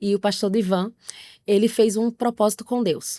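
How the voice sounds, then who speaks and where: In a dark, mellow tone and a medium pitch, a woman speaks with a slight northeastern Brazilian accent, the sound dry and close with no echo. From Northeast Brazil. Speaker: missionary. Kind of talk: testimony.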